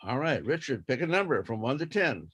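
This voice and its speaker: A man acting as toastmaster of a speech contest, explaining rules methodically and repeating himself deliberately. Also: mid-range voice, very animated, a bit bright, slightly rough.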